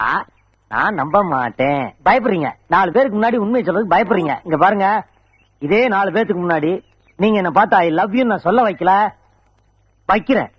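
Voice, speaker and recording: An actor playing a brash young man who woos a woman with fast, pleading, comic boasting, on a dull old film soundtrack. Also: sits high, animated, slightly rough. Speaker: suitor. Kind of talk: Tamil film dialogue.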